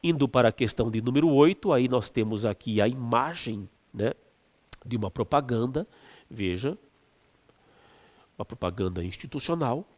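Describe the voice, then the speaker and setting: A man's voice: mid-range voice, animated, moderate pace, pauses often, big-room sound. A man teaching an exam-prep language lesson, explaining step by step with fillers and restarts, and stretching key words to stress them.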